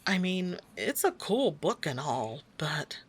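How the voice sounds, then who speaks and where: A woman's voice: lowish voice, big pitch swings, slow pace, slightly rough. A woman hosting a craft video, narrating conversationally with a wry, dry sense of humor.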